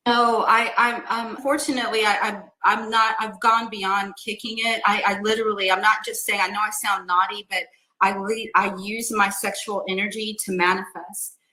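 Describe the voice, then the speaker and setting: A woman in her fifties speaks as a podcast guest, earnest and stumbling over her restarts as she explains herself. Her voice is bright and forward. The room around her gives back a noticeable echo. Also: medium pitch, steady tone, normal speed. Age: 50s. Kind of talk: casual interview answers.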